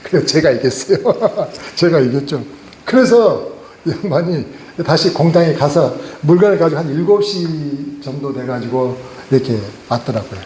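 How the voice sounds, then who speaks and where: Guy pastor preaching, fairly high voice, tells a story, laughs a lot, keeps asking the people questions, echoey church room. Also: normal speed, dark tone, slight background noise. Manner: storytelling, asks the congregation questions, laughs often. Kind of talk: sermon. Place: church sanctuary.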